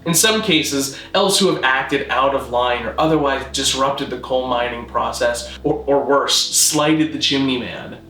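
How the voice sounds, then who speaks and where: A man narrating a scripted mock-documentary explainer in a formal, measured, deadpan manner. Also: mid-range voice, echoey room, low-quality recording. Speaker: presenter of a constructed-language video.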